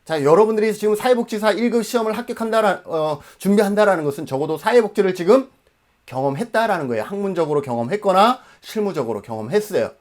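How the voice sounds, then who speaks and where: A man's voice: high-pitched, animated, quick pace. A man in his forties from Jeju Island, South Korea, giving an exam-prep lecture emphatically, asking questions and answering them himself.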